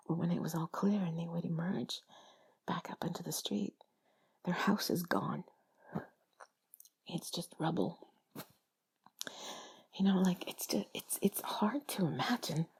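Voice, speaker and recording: Breathy, whispering woman, hushed and reassuring. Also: lowish voice. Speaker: audio creator speaking to listener. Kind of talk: intimate comforting whispered talk.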